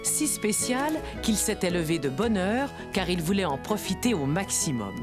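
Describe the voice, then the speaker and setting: A woman narrating a children's cartoon in a scripted, expressive storytelling manner. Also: lowish voice, normal speed, music in the background.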